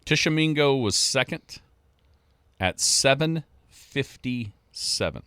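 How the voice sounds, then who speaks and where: A man's voice: mid-range voice, lively intonation, slow, pushed and bright, clear, resonant tone, no echo. A man hosting a sports radio show, chatting in an easygoing, joking, rambling way as he runs through scores.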